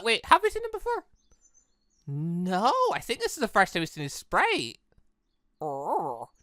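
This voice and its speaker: A man hosting a gaming video, reacting excitedly as he reads through a visual novel aloud in an animated, exclaiming way. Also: sits high, clean tone, no echo, clean studio sound. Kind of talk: let's play, reading visual novel dialogue aloud with reactions.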